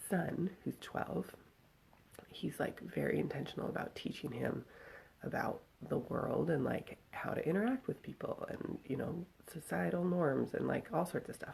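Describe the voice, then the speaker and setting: A quiet woman's voice at a moderate pace. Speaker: vlogger. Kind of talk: casual chat. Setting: at a friend's home. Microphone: too quiet.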